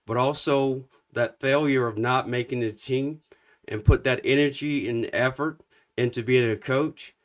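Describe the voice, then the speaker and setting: A middle-aged man, a sports coach, hosting a live show and telling his own story in a plain-spoken, steady way. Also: mid-range voice, measured pace. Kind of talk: casual conversation on a live show.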